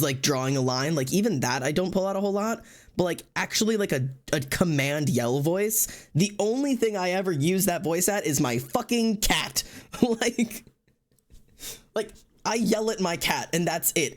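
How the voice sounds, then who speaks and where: A man's voice: on the high side, moderate pace. A young man chatting casually on his stream, rambling with many restarts and the odd swear. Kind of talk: casual chat.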